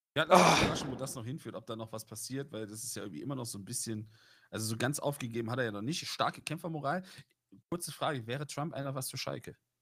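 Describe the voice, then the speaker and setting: Very fast speech with ordinary pitch variation. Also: man, medium pitch for a man, big swings in loudness. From Germany, Mönchengladbach. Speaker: football podcast co-host. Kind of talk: casual chat. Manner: animated.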